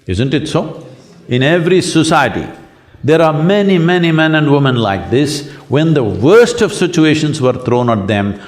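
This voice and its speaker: A hoarse man with an Indian English accent answering student questions in a public talk, asking rhetorical questions and inviting agreement. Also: on the high side. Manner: rhetorical, asks the audience to agree. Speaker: spiritual speaker answering questions. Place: large lecture hall with an audience.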